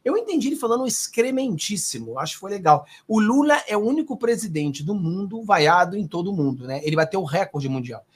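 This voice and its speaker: Husky Brazilian man mocking on his channel. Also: sits high, fairly quick, few pauses. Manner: animated, sarcastic, talks straight to viewers. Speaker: host. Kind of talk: political commentary.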